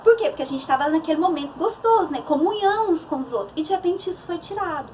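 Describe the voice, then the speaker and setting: A woman's voice: very high voice, expressive, fast, darkish tone, recorded from a distance, a little hiss or hum. A middle-aged woman psychologist with a Brazilian Portuguese accent, giving a conversational church talk on emotions with many restarts and fillers.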